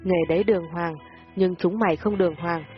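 Brief: a harsh elderly village father scolding his grown daughter, read by a woman, low voice, muffled audio, soft music behind. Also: steady tone, brisk, close to an everyday voice. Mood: angry scolding. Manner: scolding, shouting.

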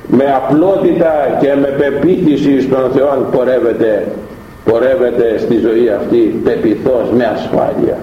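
A man preaching a sermon, who tells stories and often jumps up into high voices to act out what people said. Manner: animated, jumps to high pitch when acting out voices. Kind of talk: sermon on scripture. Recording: echoey dull room recording with faint noise.

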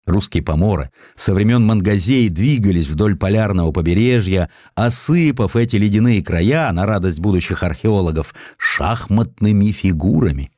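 A male audiobook narrator with a low voice tells historical tales in a wry, theatrical storytelling manner. His intonation swings widely from phrase to phrase, and the recording is close and dry. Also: animated, normal speed, hardly any pauses, darkish tone, dry recording. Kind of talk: expressive scripted narration of historical essays.

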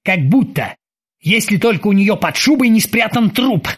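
A man voicing a ship captain with a husky voice and dry, sarcastic commands. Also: sits high, animated, moderate pace, pitched above the performer's own voice. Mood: ironic.

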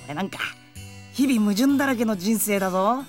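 A woman playing a cheerful, cocky high school boy with a playful, theatrical way of talking, in an anime-style audio drama. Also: fairly quick, soft background music, close to an everyday voice. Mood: encouraging.

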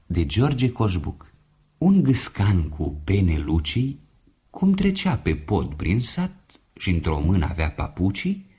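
Man, storyteller, children's poem reading, theatrical, sing-song, husky, very lively pitch.

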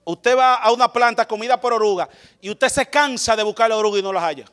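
A man preaching, his voice pitched high and ringing bright. He swings from loud calls to quiet, low asides as he speaks to his congregation in a dramatic sermon. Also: fast talker.

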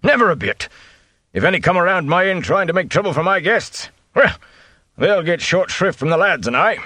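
A man reading an audiobook and voicing a hearty, boastful middle-aged innkeeper in a much higher, louder voice. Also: big pitch swings, normal speed, dry recording, full character voice. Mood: jovial.

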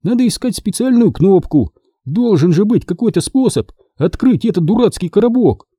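A man voicing an excitable, quick-tempered girl in a storybook reading. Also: high-pitched, breathy edge, no echo, clean studio sound, voice pushed up. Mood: frustrated.

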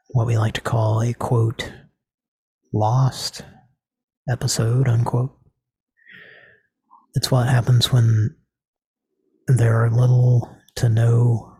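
Rambling deadpan male show host. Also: mid-range voice, husky, dry recording. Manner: rambling, deadpan, crude jokes. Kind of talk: casual comedy radio show.

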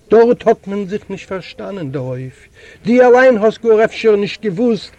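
A man voicing a gentle old male judge of the heavenly court in an audiobook, speaking slowly, tenderly and solemnly. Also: high-pitched, dry recording, lo-fi sound. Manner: slow, tender, solemn reading. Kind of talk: audiobook storytelling. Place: library recording room.

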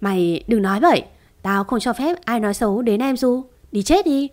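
A woman's voice: fairly high pitch, animated, moderate pace, darkish tone, close to an everyday voice. A woman reading as a bitter vengeful steward. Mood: furious. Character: vengeful middle-aged steward, bitter rival.

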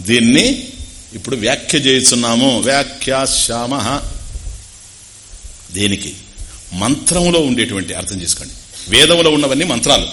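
A man with a Telugu accent giving a discourse on scripture, explaining Sanskrit terms slowly and repeating phrases. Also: mid-range voice, bright, forceful tone. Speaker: spiritual teacher.

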